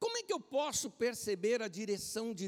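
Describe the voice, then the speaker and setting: This man talks fairly slowly, his pitch swinging very widely. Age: 50s. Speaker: pastor. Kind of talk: sermon.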